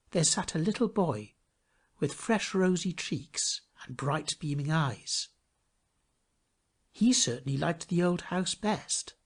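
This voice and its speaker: A male storyteller reads a fairy tale from a script. His pitch moves in lively swings, with a husky edge to the voice, and his delivery is measured and expressive.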